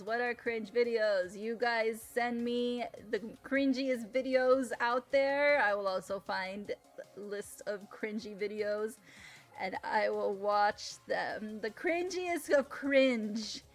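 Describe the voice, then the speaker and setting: A young adult woman streaming live, chatting casually and laughing often, with a loud, animated way of talking. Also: fairly high pitch, takes it slowly, faint music behind. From Latin America. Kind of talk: casual livestream chat.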